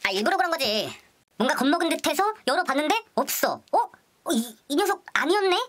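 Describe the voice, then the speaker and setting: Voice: high-pitched, sing-song, fairly quick, a bit bright. A performer playing a cocky, scheming young boot-camp recruit in a comedy skit, by turns boastful and stiffly polite. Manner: stammering politeness to superiors, boastful with friend. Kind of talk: comedic skit role-play.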